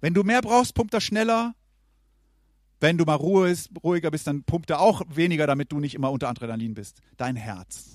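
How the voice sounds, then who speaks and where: At a moderate pace, a man speaks with a warm tone and a fairly high pitch that swings very widely. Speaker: preacher. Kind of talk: sermon. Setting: church. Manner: warm, conversational; reflective, storytelling.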